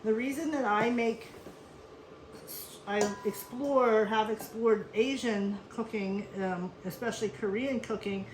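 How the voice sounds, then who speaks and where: Her voice runs a little high and a little slow as she leads a casual cooking demonstration, chatting, instructing, and tossing in frequent asides. She's a cooking show host from Western Pennsylvania, USA, recorded in an echoey room where background noise comes through clearly.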